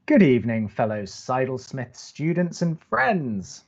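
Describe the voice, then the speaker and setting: In an audio romantic comedy, a man plays a reluctant co-host of a college radio show, dry and exasperated, stumbling when he gets flustered. His medium-pitched voice is very animated, and the high frequencies are cut off.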